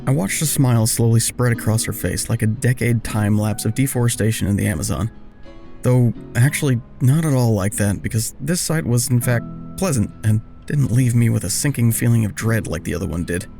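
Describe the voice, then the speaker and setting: Male actor as awkward wry man, audio drama, creaky mid-pitched voice, self-deprecating, wordy, music behind. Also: fairly quick, warm tone, natural voice. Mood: wry narrating. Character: wry, awkward smoker man narrating a reunion with old friend. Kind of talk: first-person scripted narration and dialogue in audio drama.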